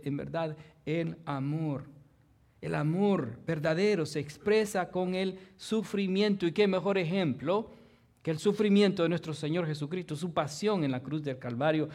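A man preaching a sermon as pastor. He asks the congregation rhetorical questions, keeps tagging his lines with "¿verdad?", and swings from loud emphasis to soft, almost whispered passages. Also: sits high.

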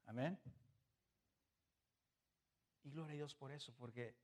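A man with a Mexican Spanish accent delivers a sermon as a pastor. His voice swings between loud, emphatic bursts and soft, low asides, and he chuckles through his personal stories. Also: takes it slowly.

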